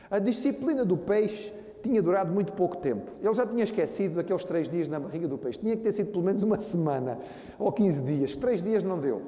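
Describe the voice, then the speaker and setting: A man's voice: high-pitched, dark tone. A man with a Brazilian Portuguese accent, a pastor preaching a sermon who earnestly calls his listeners brothers. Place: church hall. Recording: echoey church hall with long reverb.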